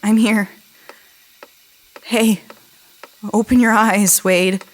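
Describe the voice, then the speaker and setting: A woman playing a frightened, injured young crash survivor in an audio drama, halting and pleading as she repeats herself. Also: medium pitch, fairly even intonation. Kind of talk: naturalistic audio drama acting.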